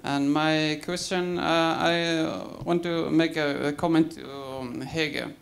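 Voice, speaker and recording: A man from Afghanistan speaks from the floor of a public debate. His voice sits high and his delivery is halting and filled with hesitations. He presses an accusing point at a panelist. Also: fairly even intonation, gravelly. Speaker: audience member.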